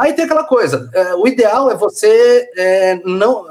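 A man is speaking. His pitch swings very widely. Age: 40s. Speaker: journalist. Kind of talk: casual chat.

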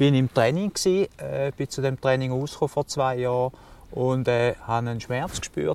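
A man with a plain, everyday voice at medium pitch, ordinary pitch variation and a moderate pace, in a dry, close sound with no echo. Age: 50s. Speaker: trade association manager. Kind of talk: casual interview. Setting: outdoors on a bench.

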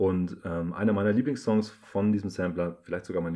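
Fairly even intonation and a moderate pace in a man's dark, mellow tone. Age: 20s. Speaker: radio show host. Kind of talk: casual music show presentation.

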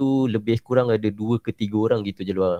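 The voice has a dark, mellow tone and ordinary pitch variation, heard in a dry, close sound with no echo. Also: man. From Melaka, Malaysia. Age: 20s. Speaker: caller sharing horror stories. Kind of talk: storytelling.

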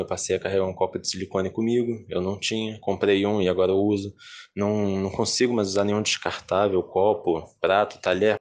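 Over a quiet background, a man talks at a fairly quick pace and fairly low pitch in monotone, flat intonation, with hardly any pauses. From Rio de Janeiro, Brazil. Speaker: engineering student. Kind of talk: testimony.

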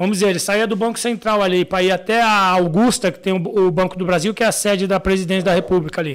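A high-pitched man at a very fast pace with hardly any pauses and very even loudness, in a very clean recording with a silent background. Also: fairly even intonation. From São Paulo periphery (Osasco), Brazil. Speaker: personal security guard and instructor. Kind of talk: casual chat.

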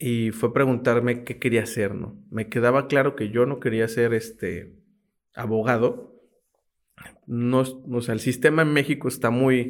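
Fairly even intonation and a medium pitch shape a man's speech, a plain, everyday voice. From Mexico, Torreón (Coahuila). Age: 20s. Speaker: podcast host and communications strategist. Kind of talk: casual interview chat. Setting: in-person studio recording.

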